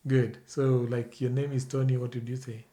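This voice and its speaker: A man with a Kenyan accent teaches a beginner language lesson, patiently giving instructions and prompting the learner to repeat. His mid-range voice is dark and level, at a normal speed.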